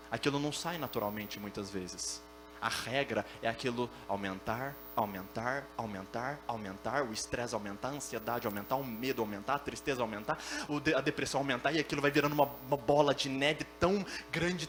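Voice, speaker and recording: A man's voice: medium pitch, brisk, music in the background. A Brazilian man preaching a sermon as pastor, emphatic and repetitive, building lists of phrases and slipping into mocking asides.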